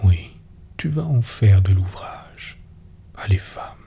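A man in a whispered role-play, voicing a gruff, grumbling peasant husband. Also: sits low, animated, slow, exaggerated voice. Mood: gruff teasing. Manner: soft whispered reading.

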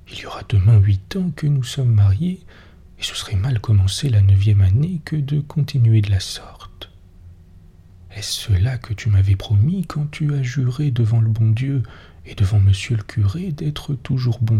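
A man's voice: lowish voice, breathy edge, heavily acted. Man whispering a tender pleading peasant wife. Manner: soft whispered reading. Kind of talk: whispered role-play.

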